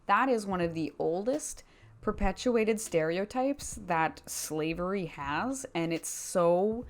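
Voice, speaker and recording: A woman speaks in a somewhat low register, addressing her viewers directly. She delivers opinionated commentary in a casual, slangy way and leans on her points with emphasis. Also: animated, slow pace. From Canada. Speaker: video commentary host.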